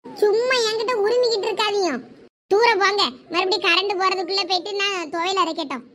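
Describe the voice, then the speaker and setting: Shrill, nagging, scolding village mother, Thoothukudi Tamil accent, cartoon, high-pitched. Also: fast, over a noisy crowd. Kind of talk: cartoon voice acting.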